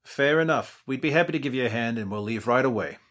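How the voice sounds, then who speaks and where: A man's voice: medium pitch, lively intonation, quick pace, fairly bright tone, lightly acted. An actor playing a weary young man who keeps his two bumbling companions in line, with an exasperated straight-man delivery. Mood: polite. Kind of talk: audio drama acting.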